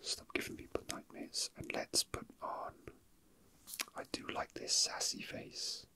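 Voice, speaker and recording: In a hushed whisper near the microphone, an ASMR host rambles casually and slowly while turning small objects over. It sounds like they're thinking aloud to themselves.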